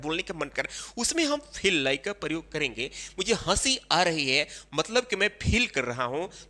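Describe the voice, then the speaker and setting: Lively, bright-voiced man teaching grammar. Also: high-pitched. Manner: explains point by point, checking in with "clear?". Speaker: English teacher. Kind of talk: Hindi-language English grammar lesson.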